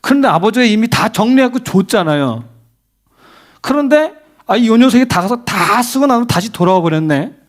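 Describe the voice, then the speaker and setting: A middle-aged male pastor gives a sermon in a church. His voice sits fairly high and swoops up and down as he tells stories. He keeps asking the congregation questions. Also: lively intonation, normal speed. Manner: storytelling preacher, asks the congregation questions. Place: church sanctuary.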